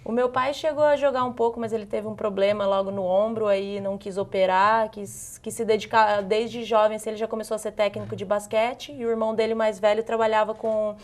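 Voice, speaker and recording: A young woman from northern Paraná speaks with that region's accent as a guest in a TV studio. She answers the host's questions in a soft, chatty way and laughs easily. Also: medium pitch, level tone, fairly quick, few pauses. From northern Paraná, Brazil. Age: young adult. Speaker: handball player guest. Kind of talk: casual interview answers.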